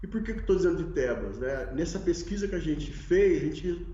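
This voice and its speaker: A man with a São Paulo Brazilian Portuguese accent gives a measured interview answer, explaining things step by step and checking in with tag questions. His voice sits a little high but sounds mellow and soft-edged. The sound is roomy and slightly dull. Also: lively intonation. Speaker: guest, tourism and social responsibility consultant.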